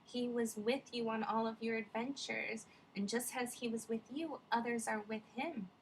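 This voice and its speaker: A gentle, wise young empress reassures softly and earnestly, voiced by a woman retelling a story. The voice sits fairly high and carries a slight gravelly fry. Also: steady tone, moderate pace, slight background noise, natural voice, low-quality recording. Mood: gently explaining.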